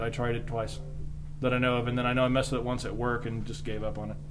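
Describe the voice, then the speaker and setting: A man with an American accent, music in the background and audible room echo. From Oklahoma. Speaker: podcast co-host. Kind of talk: casual chat.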